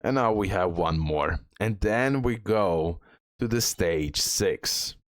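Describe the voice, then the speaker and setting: A man's voice: sits low, expressive, slow, no room sound, clean studio sound. A man giving casual gameplay commentary as the host of a game guide, repeating himself and checking in with the listener.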